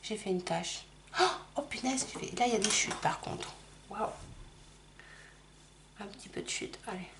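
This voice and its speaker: A middle-aged woman chatting casually while doing her makeup, often apologizing and filling pauses with "hein" and "euh". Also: mid-range voice, background noise. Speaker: makeup vlogger. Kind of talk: casual makeup tutorial chat.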